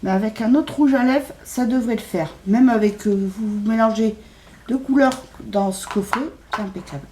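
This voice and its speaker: A woman's voice: on the high side, normal speed, mellow, a little hiss or hum. A middle-aged woman chatting casually in a shopping haul video, hesitant with lots of fillers. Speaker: haul vlogger. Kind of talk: casual chat.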